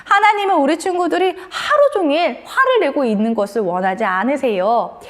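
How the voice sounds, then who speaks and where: A woman gives a sermon to young children in a high voice. Her pitch leaps up and down in a sing-song way, and she keeps asking the children questions. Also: lively intonation, normal speed. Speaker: children's minister.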